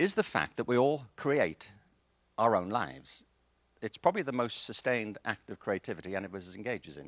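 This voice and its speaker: A man's medium-pitched voice with vocal fry, very wide pitch swings and big swings in loudness, at a fairly quick pace, dry and close with no echo on a very clean recording with a silent background. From England, Liverpool. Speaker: keynote speaker. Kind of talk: keynote talk. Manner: conversational.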